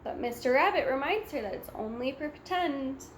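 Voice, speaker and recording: A woman reading a children's storybook aloud in a deliberate, simple way for young listeners. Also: sits high, lively intonation. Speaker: storybook read-aloud reader. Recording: echoey room with faint background noise.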